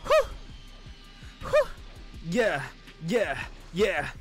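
A man doing excited, playful reaction commentary in casual slang, often exclaiming and shouting as a streamer. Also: sits high, extremely slow. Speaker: VTuber streamer reacting to an animation. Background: music and video audio.

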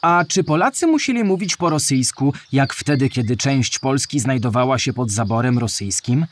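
A man's voice: medium pitch, expressive, moderate pace, natural voice. A man playing a curious, earnest young boy animal asking eager, polite questions in a children's audio play.

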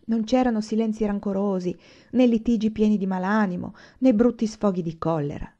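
A woman reading a story aloud in a calm, even narration. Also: medium pitch, a little fast, muffled recording. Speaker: audiobook narrator.

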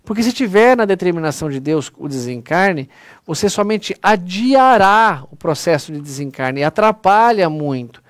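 Earnest high-voiced Brazilian lecturer. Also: male voice, lively intonation, moderate pace, no room sound, clean studio sound. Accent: Brazilian Portuguese. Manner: earnest, conversational, addresses audience as "pessoal". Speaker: spiritist lecturer. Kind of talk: online spiritist lecture.

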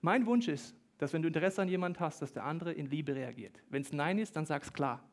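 A high-voiced young man gives a sermon as a pastor, with quick jokes and an animated, playful delivery. He sometimes rushes ahead faster than his thoughts. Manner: lively, joking, talks fast at times.

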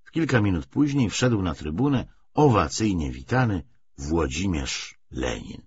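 A man reading a literary audiobook with expressive, deliberate delivery. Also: sits low, dull audio, a little hiss or hum. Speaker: audiobook narrator. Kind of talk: literary audiobook narration with acted dialogue.

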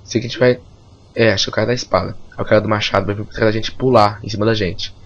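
A Brazilian gamer, a native Portuguese speaker, narrates a let's play in a casual way, his voice strained as though his tonsils were swollen and his throat inflamed. He speaks on the low side with a steady tone and races along. The lo-fi recording carries a little hiss or hum.

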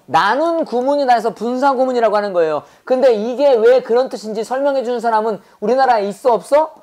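A woman teaching an English grammar class with a Korean accent, quizzing students with constant questions and saying English phrases slowly for them to repeat. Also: a little high, a little mellow.

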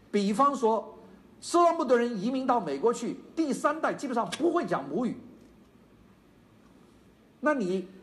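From China, an older man speaks Mandarin with a Chaozhou-tinged accent in a fairly high voice. He's giving a university lecture, animated and prone to digressions, full of fillers and side remarks.

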